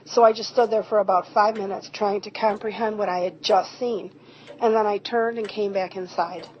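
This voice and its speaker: A woman's voice: mid-range voice, fairly even intonation, moderate pace, close to an everyday voice. A woman playing a friendly rural eyewitness in an amateur audio drama, telling things in a folksy, descriptive way. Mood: plain, earnest. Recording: muffled, noisy home recording.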